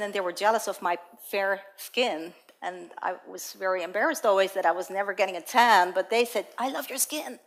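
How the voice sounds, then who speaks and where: A woman from the Netherlands giving a prepared talk on stage, telling personal stories about her life. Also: mid-range voice. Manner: personal, storytelling, lively anecdotes. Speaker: speaker. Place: auditorium stage.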